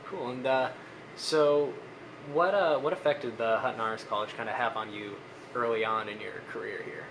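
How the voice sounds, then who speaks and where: A man's voice: medium pitch, fairly even intonation, normal speed, background noise. A young man interviewing a student, asking questions in a hesitant way with many fillers.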